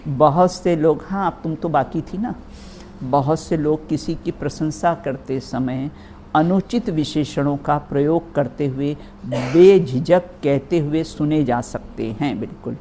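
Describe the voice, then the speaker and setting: Woman teacher leading a religious philosophy class; deep register, slow and deliberate. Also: warm tone, a little hiss or hum. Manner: checks in often with the listeners. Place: study hall.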